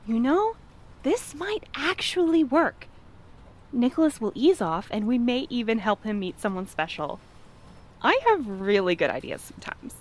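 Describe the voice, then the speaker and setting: A woman's voice: on the high side, very animated, normal speed. A woman playing a prim, well-meaning courier in an audio drama, speaking in an earnest, careful, businesslike manner. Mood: hopeful. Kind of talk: naturalistic audio drama acting.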